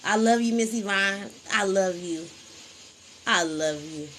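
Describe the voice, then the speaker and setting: A woman's voice: medium pitch, measured pace, a bit bright, a little hiss or hum, poor audio. A woman hosting a casual spiritual livestream, talking in a preachy, repetitive, emphatic way into a phone.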